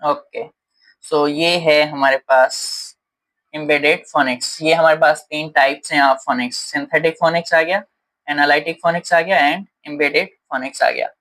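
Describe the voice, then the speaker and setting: A man's voice: on the high side, fairly even intonation, slow, bright, forceful tone, poor audio. A man teaching a lesson, explaining step by step in a patient way with frequent fillers. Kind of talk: explaining lesson in Hindi-English mix.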